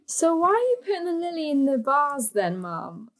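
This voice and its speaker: An actress playing a proud, caring young granddaughter with a matter-of-fact manner. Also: female voice, high voice, big pitch swings, moderate pace. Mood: probing.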